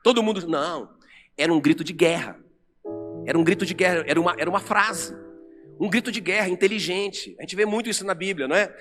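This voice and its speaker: A man with a Brazilian Portuguese accent preaching an animated sermon to a congregation in a church. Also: high-pitched, fast talker. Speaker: pastor. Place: church sanctuary. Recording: long church reverb with music under.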